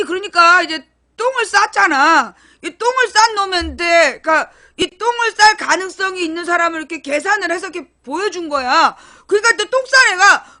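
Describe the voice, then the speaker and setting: A woman talking on a live stream in a blunt, crude, colloquial way, acting out little scenes in loud put-on voices as she comments. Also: extremely high pitch. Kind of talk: casual live-stream chat.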